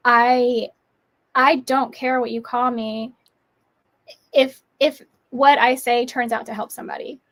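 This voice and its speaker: A woman's voice: fairly high pitch, little pitch movement, a little slow. Emphatic, opinionated woman guest. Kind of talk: casual live-stream chat. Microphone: video call.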